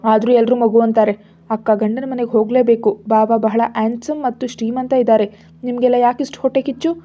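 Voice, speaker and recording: A woman's voice: sits high, fairly quick, warm tone, pitched above the performer's own voice, natural voice. A woman voicing a defiant seventeen-year-old girl who talks back in a mocking, pert way.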